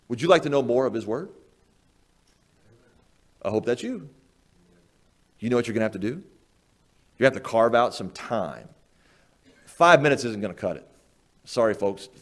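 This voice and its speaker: A man's voice: medium pitch, a bit bright. A male pastor preaching a sermon in a church, folksy and emphatic, firing rhetorical questions at the congregation. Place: church sanctuary.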